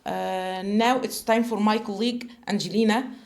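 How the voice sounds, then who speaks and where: A woman in her 20s from Egypt co-hosts a casual podcast chat in a small studio, asking guests questions hesitantly with many "uh" fillers. Her mid-range voice is gravelly and slightly mellow, at normal speed with fairly even intonation, and there's a little hiss or hum.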